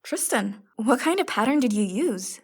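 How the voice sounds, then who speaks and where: A no-nonsense young heroine in an audio comedy , acted by a woman. She is practical and wry, with a fairly high voice that moves about in lively swings. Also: normal speed, husky. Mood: wry, curious. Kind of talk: audio fiction comedy acting.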